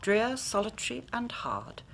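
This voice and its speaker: An actress playing a grave young Victorian woman who tells her story in measured, formal speech, sometimes dropping to a hushed whisper. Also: medium pitch, sing-song, gravelly, slight background noise, rough recording. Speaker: client telling her story. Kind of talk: period radio drama acting.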